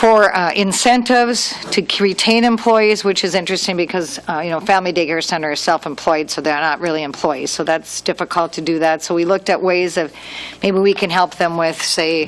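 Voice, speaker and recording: Through noticeable background noise, a woman's medium-pitched voice comes across. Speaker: city official presenting at council meeting. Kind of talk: public meeting report. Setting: city meeting room with microphones. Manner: loud; hesitant, many fillers.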